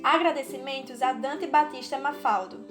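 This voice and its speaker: A woman's voice: high-pitched, moderate pace. A Brazilian woman reading a scripted podcast as co-presenter. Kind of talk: scripted narration. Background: background music.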